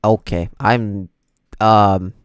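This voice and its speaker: A man's voice: on the low side, steady tone, extremely slow, smooth, dry recording, studio quality. A man livestreaming a video game in casual, slangy, chummy chat with his viewers. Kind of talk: casual gameplay stream chat. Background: game music.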